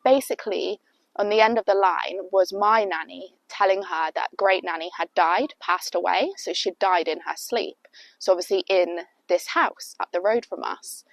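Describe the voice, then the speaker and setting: A woman's voice: medium pitch, normal speed, gravelly, no room sound, rough recording. A young British woman with a sniffly cold, telling a chatty, rambling personal story to her viewers. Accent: British English. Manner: chatty and rambling, heavy use of "like". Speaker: vlogger. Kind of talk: casual storytime chat.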